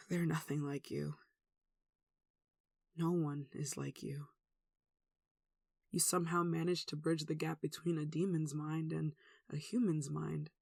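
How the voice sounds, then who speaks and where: Someone acting a gentle devoted human in asmr drama, earnest soft emotional voice, middle pitch, really dry sound. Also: fairly even intonation, takes it slowly, gravelly, pauses often, breathy edge, no echo, heavily acted. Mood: tender, admiring. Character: devout, tender human devoted to a gentle demon. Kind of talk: ASMR roleplay, one-sided dramatic dialogue.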